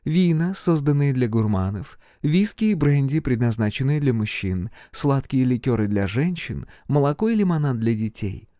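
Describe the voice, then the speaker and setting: A male reader voicing a shrewd older dowager duchess, gracious and gently commanding. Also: medium pitch, animated, normal speed, hardly any pauses, dry recording, studio quality, pitched above the performer's own voice, natural voice. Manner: warm, grand, gently commanding.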